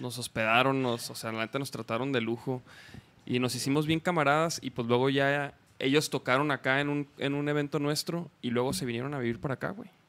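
In a plain, everyday voice, a man talks at a fairly quick pace with medium pitch and fairly even intonation, on a very clean recording with a silent background. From Chihuahua, Mexico. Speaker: podcast host. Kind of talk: casual chat.

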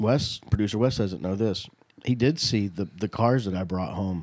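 Here is an ordinary speaking voice from a man at a fairly low pitch, with ordinary pitch variation. He keeps a moderate pace in a very clean recording with a silent background. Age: 50s. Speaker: podcast host. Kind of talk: casual chat. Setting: studio.

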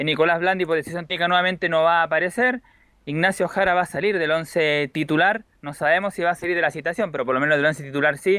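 A high-pitched man at a very fast pace. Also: ordinary pitch variation. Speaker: sports reporter. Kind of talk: sports radio report.

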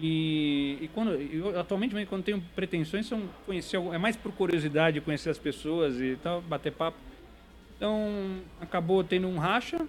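A man speaks at a moderate pace in a high voice with ordinary pitch variation. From Santos, Brazil. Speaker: toy collector and podcaster. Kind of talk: casual live-stream interview. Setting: shop during opening hours, live stream.

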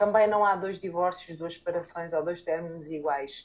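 Pitch variation is ordinary in what is an unremarkable speaking voice. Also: woman. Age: 30s. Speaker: coach and mentor. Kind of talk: conversational interview. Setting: Instagram live video call.

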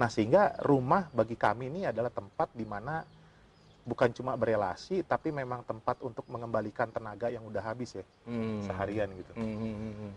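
A man talks in a normal speaking voice at a medium pitch and fairly quick pace, with ordinary pitch variation. The sound is dry and close with no echo, and his loudness swings widely. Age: 40s. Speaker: university professor. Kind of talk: casual interview conversation. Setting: at his home, sitting on outdoor stairs.

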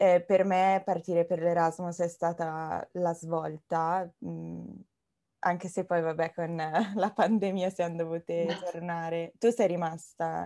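The voice has a dark, mellow tone and monotone, flat intonation. It moves at a very slow pace. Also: woman, fairly low pitch for a woman. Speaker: podcast host. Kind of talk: casual interview.

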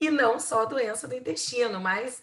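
Somewhat breathy, a woman's voice moves at a moderate speed. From southern Brazil (Rio Grande do Sul). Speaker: nutritionist and professor. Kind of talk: podcast interview.

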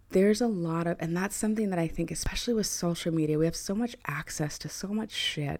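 A woman with a fairly low pitch and ordinary pitch variation speaks at a very fast pace with hardly any pauses over noticeable background noise. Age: 30s. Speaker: podcast host and author. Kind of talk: casual solo podcast monologue. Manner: casual, chatty, profane.

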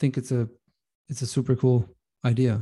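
A man with a German accent speaks at a moderate pace in a dark, mellow tone. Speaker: podcast host. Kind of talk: casual chat.

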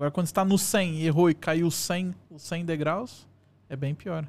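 Using an unremarkable speaking voice, a man with a fairly high pitch talks at a moderate pace with fairly even intonation. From Brazil, Rio de Janeiro.

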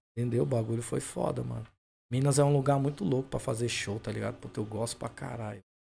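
A man talks at a very fast pace in a medium-pitched voice. His tone is dark and mellow, somewhat breathy. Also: ordinary pitch variation. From São Paulo, Capão Redondo (south zone). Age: 40s. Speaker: rapper. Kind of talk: casual chat.

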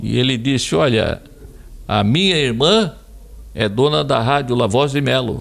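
Speaking fairly slowly at medium pitch, a man uses lively intonation. Long, frequent pauses break up his speech, and room echo is audible. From southern Santa Catarina, Brazil. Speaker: veteran radio broadcaster. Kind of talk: interview, storytelling.

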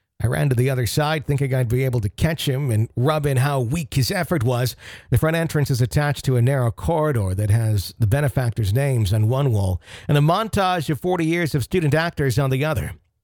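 On a very clean recording with a silent background and a dry, close sound with no echo, a man of medium pitch speaks in a normal speaking voice at a fairly quick pace, with lively intonation and very even loudness. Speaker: podcast host and narrator. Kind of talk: ghost story telling, scripted narration with eerie first-person tale. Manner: hushed, suspenseful, measured pacing that builds dread; formal, polished, steady.

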